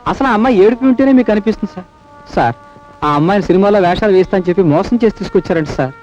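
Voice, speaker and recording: An actor playing a meek, kind-hearted village constable who talks in a deferential, pleading way. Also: male voice, high voice, animated, very fast, a little mellow. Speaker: police constable. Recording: dull old film soundtrack with music.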